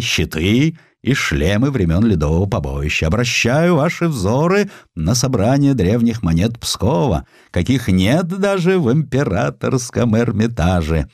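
Audio drama role: male actor as touchy, proud provincial merchant, old-fashioned ceremonious diction, very animated intonation. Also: mid-range voice, no room sound, clean studio sound. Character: aggrieved, proud provincial merchant collector showing off treasures.

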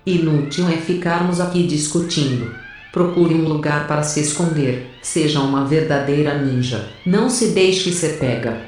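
A woman's voice: sits low, moderate pace, darkish tone, very echoey, recorded from a distance, soft background music, close to an everyday voice. An actress playing a bold, brash female space first officer in an audio drama. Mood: urgent, commanding. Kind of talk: audio drama narration and dialogue.

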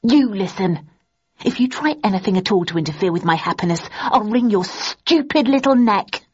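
A woman's voice: medium pitch, animated, normal speed, darkish tone, slightly rough, voice pushed up. A woman reading an audiobook, voicing a smug, mocking young woman who talks down to her rival. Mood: threatening. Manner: disdainful, sneering. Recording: dull lo-fi recording.

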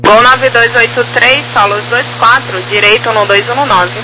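A Brazilian air traffic controller giving formal, clipped clearances over aviation radio, reading numbers out digit by digit. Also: medium pitch, steady tone, a little slow. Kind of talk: clipped procedural radio commentary. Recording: noisy radio transmission with hum.

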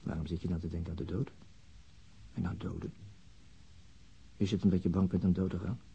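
An actor playing a brooding, weary middle-aged police inspector in a radio play, with terse, probing, self-questioning delivery and a husky voice. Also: male voice, deep voice, level tone, brisk, highs cut off, a little hiss or hum. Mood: anguished, self-doubting. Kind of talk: radio play acting, inner monologue and questioning.

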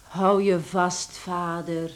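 An actress playing a touchy, earnest young daughter in a radio drama. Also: female voice, lowish voice, little pitch movement, very slow. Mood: subdued, tired.

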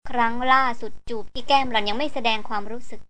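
High-voiced woman reading a novel aloud. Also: fast. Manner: steady storytelling. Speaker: audiobook reader. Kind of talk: audiobook novel narration.

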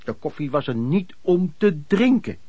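A man's voice: a little high, sing-song, normal speed, warm tone, dry recording. An actor playing a former traveling merchant recounting his lodging-house years in colloquial radio drama narration. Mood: reminiscing.

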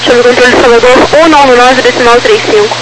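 Female controller, high register, radio instructions to aircraft, very noisy channel. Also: fairly even intonation, fast. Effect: aviation radio transmission. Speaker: air traffic controller. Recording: very noisy, humming aviation radio.

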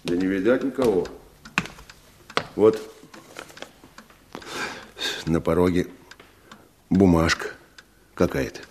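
An actor in a Russian radio drama playing a steady, cautious village man who talks in a muted, hesitant way. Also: low-pitched, takes it slowly, pauses often, exaggerated voice. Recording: noisy old radio play recording.

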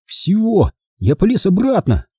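A man voicing a frightened but determined young boy with a hoarse whisper. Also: sits high, wildly swooping pitch, slow pace, mellow, no room sound, studio quality, voice pushed up, heavily acted. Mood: worried.

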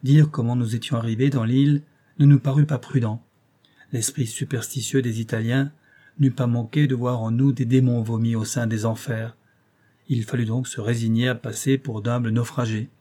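Man with a mellow voice reading a novel. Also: mid-range voice. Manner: expressive reading, lifting his voice for quoted speech. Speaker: audiobook narrator. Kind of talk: scripted narration of a classic novel.

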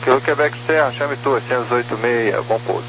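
Brazilian male approach controller, mid pitch, terse delivery, slightly noisy radio. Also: brisk, a bit bright. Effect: aviation radio. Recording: humming, faintly noisy radio.

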